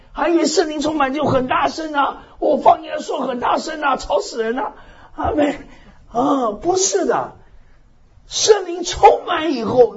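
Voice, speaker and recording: A male pastor preaching a sermon with animated delivery, often saying amen and hallelujah and slipping English words into his speech. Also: extremely high pitch. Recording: slightly dull lo-fi sound.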